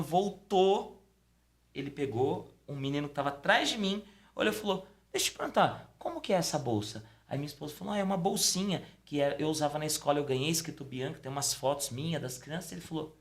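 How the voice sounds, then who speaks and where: A middle-aged man, a podcast guest telling a personal story casually and acting out the dialogue. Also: a little fast. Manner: animated storytelling, acting out dialogue with pitch swings. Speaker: podcast guest, Umbanda priest.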